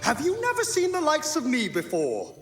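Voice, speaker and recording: Exuberant, high-pitched jolly giant spirit. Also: female voice, huge pitch swings, soft background music. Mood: jovial, booming. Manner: exuberant, theatrical, drawn-out delivery. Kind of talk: audio drama acting.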